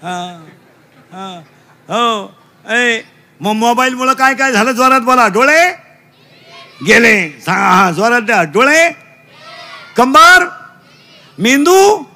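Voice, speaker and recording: A middle-aged man preaching a comic kirtan. He shouts questions to the children and mixes broken English into his lessons. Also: extremely high pitch, lively intonation, measured pace, vocal fry. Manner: shouting call-and-response with children.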